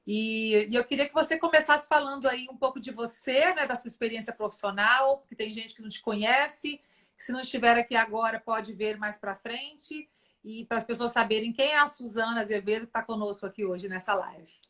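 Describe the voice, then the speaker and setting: A woman's voice: a little high, a little fast, fairly bright tone. A woman hosting a casual live stream, chatty and addressing viewers directly. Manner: chatty, fillers like né, talks to audience.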